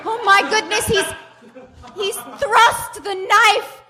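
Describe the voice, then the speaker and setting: A woman playing a melodramatic, naive housewife in a comedic mock radio play, with halting, gasping delivery. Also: extremely high pitch, sharp tone, full character voice. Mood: mounting horror. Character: breathless, scandalized, naive housewife witnessing through a window. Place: small comedy theater stage. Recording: echoey noisy live theater recording.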